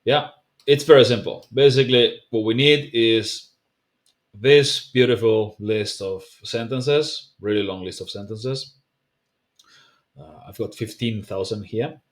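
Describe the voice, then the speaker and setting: Low-voiced man explaining a language method. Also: unhurried. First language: not English. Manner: relaxed and conversational, frequent fillers and self-corrections. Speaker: language teacher. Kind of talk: casual explainer video, talking to camera.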